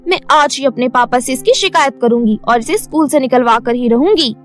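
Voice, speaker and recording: A woman's voice: brisk, faint music behind, natural voice. Woman playing a bratty spoiled schoolgirl. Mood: sulky. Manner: sassy, high-pitched taunting.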